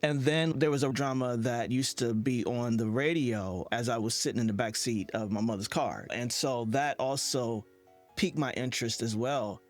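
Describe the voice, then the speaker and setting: A man's voice: medium pitch, normal speed, faint music behind. A man hosting an interview in a conversational style. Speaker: interview host.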